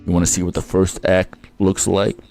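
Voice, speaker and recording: A man hosting a casual livestream, jokey and quick to laugh at his own lines. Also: deep voice, completely flat delivery, gravelly, warm tone, faint music behind. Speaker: livestream host.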